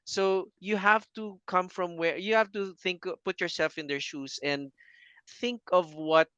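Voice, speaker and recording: A man's voice: sits high, fairly even intonation, unhurried, sharp tone, smooth, no room sound, dull audio. A man, a banking guest earnestly explaining sales in a casual interview.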